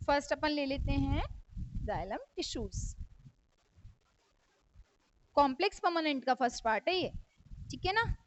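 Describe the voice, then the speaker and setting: A woman's voice: high voice, expressive, a little slow, long pauses. A woman teaching a school science lesson, asking her class questions and answering them herself, with English terms mixed into her speech. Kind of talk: classroom lecture. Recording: dry, dull lo-fi recording.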